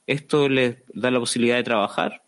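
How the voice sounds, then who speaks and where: A man interpreting a lesson live, halting and restarting as he keeps pace with the speaker. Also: mid-range voice. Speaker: simultaneous interpreter.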